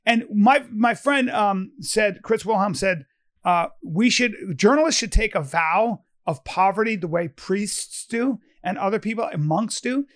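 A man's voice: high-pitched, measured pace, fairly bright tone. A man in his fifties co-hosting a casual podcast, arguing animatedly, cutting in with repeated "but wait" and swearing freely. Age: 50s. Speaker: podcast co-host. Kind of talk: casual debate chat.

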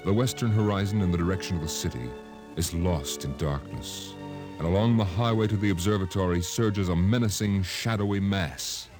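A man playing a grave, ominous narrator with an American accent in a 1950s radio drama, in drawn-out dramatic phrasing. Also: low voice, lightly acted. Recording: old radio recording, loud music.

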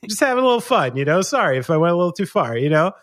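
A man's voice: high voice, very animated, very fast, a bit bright, no echo, clean studio sound. A man with a New Jersey accent hosting a casual podcast chat, blunt and pointed, swearing freely. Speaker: podcast host.

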